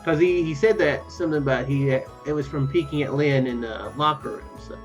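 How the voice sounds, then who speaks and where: Higher-pitched man rambling through a game playthrough. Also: brisk. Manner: hesitant, rambling, repeats phrases. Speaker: YouTube game player. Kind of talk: casual let's play commentary, reading visual novel text aloud. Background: game music.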